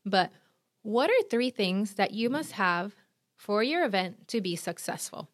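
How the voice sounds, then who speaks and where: A woman in her thirties with a Puerto Rican accent, an event planner giving chatty, energetic how-to advice with quick asides. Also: mid-range voice, no echo, clean studio sound. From Puerto Rico. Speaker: event planner and podcast host. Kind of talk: instructional talk.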